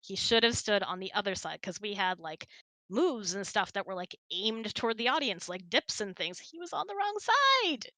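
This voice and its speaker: A woman's voice: medium pitch, very animated, moderate pace, sharp tone, no echo. A woman hosting, chatting casually and telling personal stories in a conversational way. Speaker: host.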